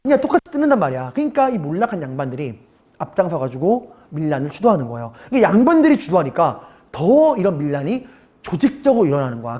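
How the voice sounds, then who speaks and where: In a recorded online lecture, a man with a high-sitting, dark-toned voice teaches a middle school history class. He talks casually to his students, poses rhetorical questions, and moves back and forth between polite and casual speech.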